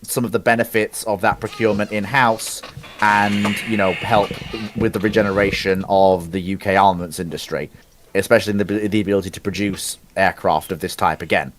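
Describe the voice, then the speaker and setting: A man's voice: on the low side, fairly even intonation, brisk, a little hiss or hum. A man in a live debate on military procurement, earnestly building his argument step by step.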